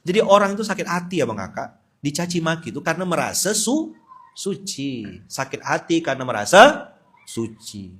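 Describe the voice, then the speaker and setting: A man, preaching a lively, humorous sermon with sudden loud emphatic bursts. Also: a little high, moderate pace, breathy edge. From West Kalimantan, Indonesia. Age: 40s. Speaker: Islamic preacher. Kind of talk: sermon at a dawn study gathering.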